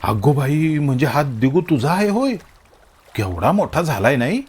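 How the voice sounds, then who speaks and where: A man's voice: on the high side, very animated, measured pace, husky, voice pushed up, heavily acted. A man voicing an affectionate middle-aged mother who speaks hurriedly and fondly. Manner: urgent then doting.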